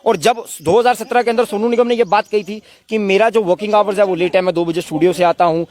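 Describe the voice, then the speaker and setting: A protest spokesman with a high-pitched, darkish voice rushes through an impassioned, emphatic statement to reporters, his tone staying steady. It's packed with indignant rhetorical questions.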